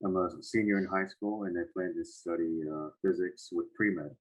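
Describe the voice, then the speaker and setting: Late-teen male, deep voice, husky, casual conversational, tentative measured phrasing. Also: steady tone, low-quality recording. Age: 17, late teens. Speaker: high school student in conversation.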